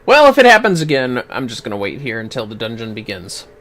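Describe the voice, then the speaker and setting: Animated, sweary male game streamer. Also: mid-range voice, fast. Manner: casual, sweary, reactive. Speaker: game livestreamer. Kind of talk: casual livestream chat.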